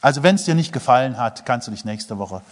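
A man preaching a sermon, swinging between quiet asides and loud emphasis, joking with and questioning the congregation. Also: mid-range voice, expressive, brisk, a little hiss or hum. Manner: jokes with the congregation, asks them questions. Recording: long hall reverb.

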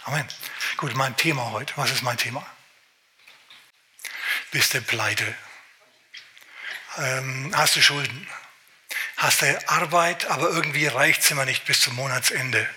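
A male pastor preaching a sermon, lively and addressing the listener directly with questions. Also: mid-range voice, measured pace, pauses often. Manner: lively, exclaiming, talks straight to the listener.

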